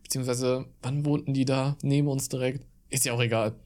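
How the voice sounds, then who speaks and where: A man's voice: mid-range voice, level tone, fairly quick, darkish tone. A man from the Aachen area co-hosting a podcast, telling stories in a rambling, filler-heavy way. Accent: Aachen German. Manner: rambling storyteller, many fillers. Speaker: podcast co-host. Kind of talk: casual chat.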